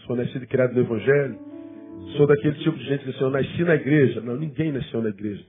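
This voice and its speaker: A fifty-year-old Brazilian pastor with a Rio de Janeiro accent, preaching conversationally to a congregation and repeating words for emphasis. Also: male voice, medium pitch, rapid-fire. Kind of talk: sermon, conversational teaching to a congregation. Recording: thin phone-like sound, guitar music behind.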